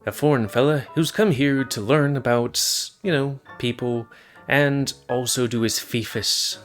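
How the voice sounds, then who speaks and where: Man, game commentator, casual rambling chat, animated pitch, faint music behind. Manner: rambling, chatty, self-interrupting asides.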